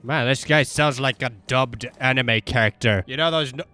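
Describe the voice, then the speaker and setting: A man giving casual gameplay commentary in a rambling, irreverent, animated way. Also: mid-range voice, moderate pace, faint music behind. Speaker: video game streamer.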